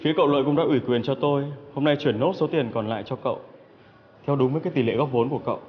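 An actor with a Northern Vietnamese accent playing a cool, needling, businesslike go-between in a TV drama. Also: male voice, medium pitch, rapid-fire, close to an everyday voice. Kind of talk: screen drama dialogue. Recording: long reverb, dull sound, faint noise.

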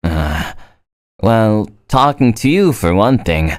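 A man voicing a drowsy, flustered, teasing male student in a scripted roleplay phone call, with a halting, sleepy morning voice. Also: lowish voice, big pitch swings, no room sound, clean studio sound. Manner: halting, stammering.

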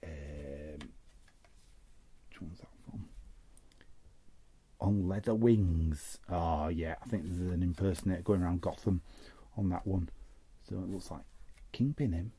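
A man's voice: sits low, measured pace, pauses often, warm tone, a little hiss or hum. A man giving casual, chatty unboxing commentary as host, muttering and repeating short phrases to himself. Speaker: host of a trading card opening show.

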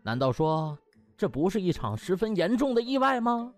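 Man voicing a cheeky, smug young doctor, animated. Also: high-pitched, normal speed, faint music behind, pitched above the performer's own voice. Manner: mock-pompous, playful.

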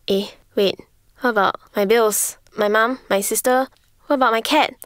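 Cartoon small child, excitable, Singaporean, high little voice performed by an adult woman. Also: moderate pace, dry recording, clean studio sound, natural voice. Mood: dramatic.

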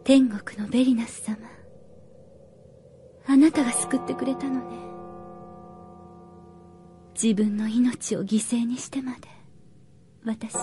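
A very high, soft voice as a grieving young maiden in love, with faint music behind. She is tender and emotional, in fantasy radio drama style. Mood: hushed grief.

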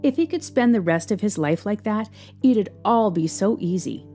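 A woman narrating a scripted audio drama in a measured, expressive, somber manner. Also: medium pitch. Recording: music under the voice. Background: instrumental music.

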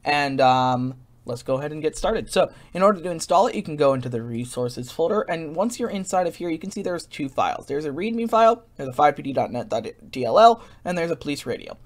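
A tired man giving a casual narration for a screen-recorded software tutorial, as the host. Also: fairly high pitch.

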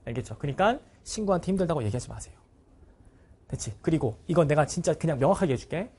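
A man's voice: on the high side, animated, quick pace, warm tone, husky. A male cram school teacher giving a blunt, casual motivational talk to his students. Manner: acts out students' voices in short bursts.

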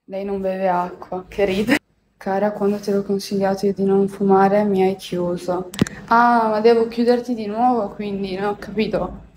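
A woman's voice: mid-range voice, steady tone, moderate pace, a little mellow, a little hiss or hum. A young woman, chatting casually with viewers on a phone livestream from home, swearing and laughing often. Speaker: livestream host. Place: at home indoors.

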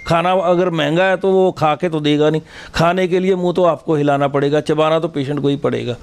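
A man's voice: fairly high pitch, steady tone, fairly quick, clear, resonant tone. A middle-aged man from Punjab, a dentist giving earnest, plain-spoken advice in an interview. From Punjab, India. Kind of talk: interview answers.

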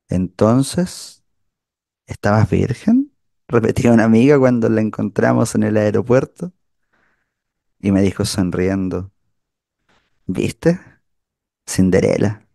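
Man playing gravelly, mellow gay storyteller. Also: fairly low pitch, no room sound, clean studio sound. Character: world-weary, hard-drinking gay writer telling his stories. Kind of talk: radio theatre storytelling.

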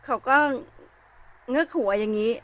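A woman's voice: on the high side, normal speed, fairly bright tone. A middle-aged woman from Thailand vlogging to her viewers in a casual, thinking-aloud way, with many fillers, seemingly outdoors among fruit trees.

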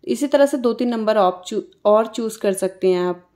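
A woman's voice: fairly high pitch, normal speed, mellow. Indian woman giving a phone tutorial. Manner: instructional, conversational. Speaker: tutorial host. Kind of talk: casual step-by-step phone tutorial.

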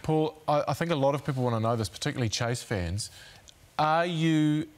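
A man's voice: fairly high pitch, a little fast. A man, presenting a TV magazine show in an upbeat, scripted way. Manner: upbeat scripted link reading. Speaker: TV host.

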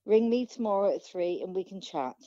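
Blunt woman, acted by a woman, sceptical, dismissive, mellow dark tone, dull muffled recording. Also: medium pitch, lively intonation, a little fast, dry recording, close to an everyday voice. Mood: brusque. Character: brusque, sceptical working-class local woman. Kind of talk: radio drama. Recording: dull muffled phone sound.

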